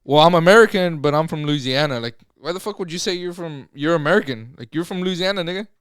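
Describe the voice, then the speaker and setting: A man's voice: fairly high pitch, quick pace, fairly bright tone, smooth, no echo, studio quality. A man from Houston, co-hosting a podcast, arguing in casual chat and swearing a lot. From Houston, Texas. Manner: argumentative, heavy swearing. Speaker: podcast co-host.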